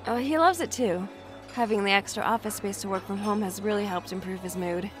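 A woman's voice: mid-range voice, brisk, lightly acted. A woman in her twenties playing a reserved, overworked young office worker in an audio drama, with music behind her. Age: 20s. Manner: reserved, defensive, a little awkward.

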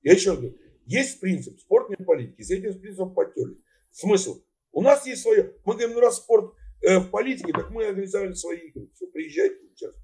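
A man's voice: high voice, animated, fast, darkish tone. A man in his seventies on a video call, arguing bluntly and swearing, talking in a dismissive way. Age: 70s. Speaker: chat roulette stranger. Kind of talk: argumentative video chat. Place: indoor room.

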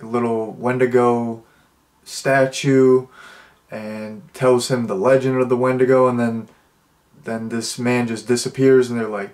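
A young man with a stuffed-up nose casually reviewing a movie, rambling with many restarts and fillers. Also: mid-range voice. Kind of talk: casual spoken review, thinking out loud.

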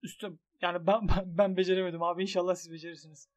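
An excitable young man with a high, light voice talks through his online bets as a gaming YouTuber. He mutters low when things go badly and yells when they go wrong. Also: racing. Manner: excitable, swings from grumbling to shouting at losses. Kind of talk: commentary on an online gambling site.

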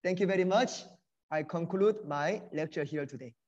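High-pitched man giving a motivational talk. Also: moderate pace, darkish tone. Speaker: guest lecturer. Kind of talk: motivational online lecture. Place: indoors on a video call. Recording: dull, lo-fi video call.

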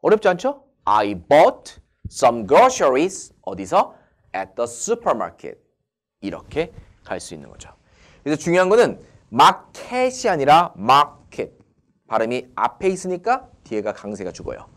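A male English teacher with a very animated voice that swoops up and down. He talks slowly and reads each English example with deliberate care. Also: on the high side. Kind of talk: online English lesson.

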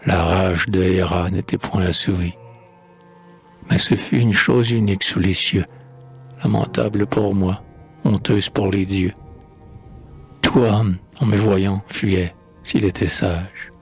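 A man's voice: low voice, steady tone, slow pace, gravelly, pauses often, breathy edge, soft background music, heavily acted. A man reading the part of a grieving, guilt-stricken hero in a solemn, lamenting recitation. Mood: haunted.

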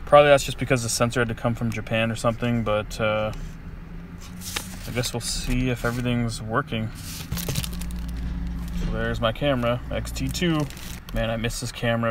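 A man's voice: mid-range voice, flat delivery, a little fast, background noise. Chatty man vlogging on a cell phone. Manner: chatty and offhand, with mild grumbling. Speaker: camera vlogger. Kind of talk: casual vlog chat. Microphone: handheld cell phone recording.

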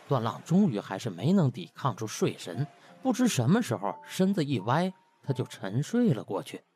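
A man's voice: mid-range voice, darkish tone. A man narrating a comic web-novel audiobook in a colloquial, dramatic storytelling style.

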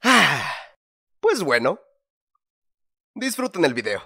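Male video creator, Latin American accent, casual low delivery for a short skit intro. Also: huge pitch swings, slow pace, gravelly, bright, forceful tone, breathy edge.

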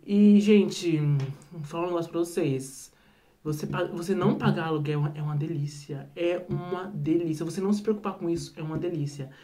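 A man's voice: on the high side, fairly quick, mellow, soft background music. A man with a Brazilian accent talking at home in a late-night vlog, chatty and rambling, with many fillers and repeated words. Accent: Brazilian Portuguese. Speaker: vlogger.

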